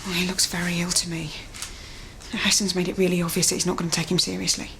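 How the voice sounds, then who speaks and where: An actress playing a concerned, helpful surgery receptionist with a British accent in a naturalistic TV drama. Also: female voice, on the low side, flat delivery, quick pace, creaky, noisy background. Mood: worried.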